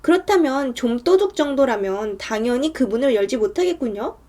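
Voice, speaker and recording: A woman's voice: sits high, lively intonation, fairly quick, mellow. A woman voicing a middle-aged woman defense lawyer in a spoken movie retelling, asking pointed, probing questions.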